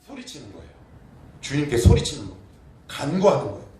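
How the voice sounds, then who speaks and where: A middle-aged male pastor preaches a sermon quickly in a medium-pitched voice, animated as he asks the congregation questions and shouts out acted prayers. He's recorded from far off in an echoey church sanctuary, with faint noise.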